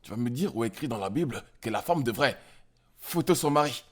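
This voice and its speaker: A man's voice: medium pitch, expressive, fairly quick, close to an everyday voice. A man dubbing a film role: a defiant, bullying husband who talks back indignantly. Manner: indignant, challenging. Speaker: husband defending his right to beat his wife. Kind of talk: French film dub.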